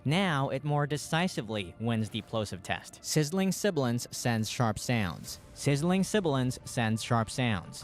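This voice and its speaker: Man, mid-pitched voice, clear scripted gear review, explanatory. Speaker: microphone reviewer.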